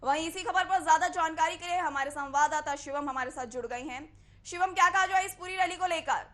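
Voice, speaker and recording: A woman's voice: extremely high pitch, a little fast, fairly bright tone. A woman news anchor presenting the news and putting questions to a correspondent.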